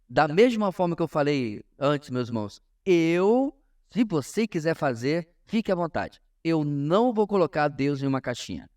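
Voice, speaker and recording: A man with a Brazilian Portuguese accent teaches a church class as a pastor, in an informal sermon style, emphatic and often pausing to address his listeners directly. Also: a little high, sing-song, a little mellow. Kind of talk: informal sermon-like lesson to a congregation.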